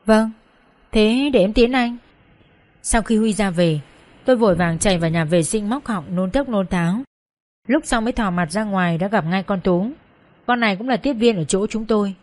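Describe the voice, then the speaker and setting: A woman's voice: mid-range voice, brisk, a little mellow. Woman reading a first-person story.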